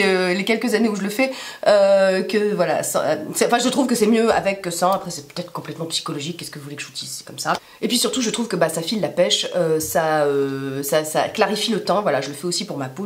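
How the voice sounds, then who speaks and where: A woman with a hoarse smoker's rasp being sick, chatting casually to camera in a rambling, self-deprecating way full of asides. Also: mid-range voice, fairly quick. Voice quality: raspy smoker's rasp from illness. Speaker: YouTube vlogger.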